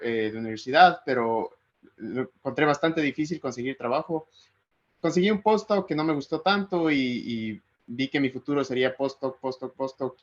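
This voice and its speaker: A man from Ecuador, giving a relaxed academic talk over a video call and thinking aloud as he goes. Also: mid-range voice. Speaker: guest speaker. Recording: slightly muffled video call audio.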